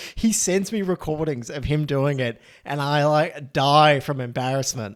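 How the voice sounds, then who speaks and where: A man with an Australian accent talks at a fairly slow pace in a fairly high pitch. His tone is animated, with ordinary pitch variation. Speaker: podcast host. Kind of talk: casual interview chat.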